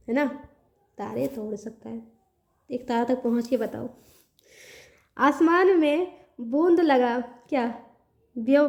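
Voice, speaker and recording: In an online grammar lesson, a high-voiced woman reads out word lists and explains them conversationally, sprinkling in English words as she goes.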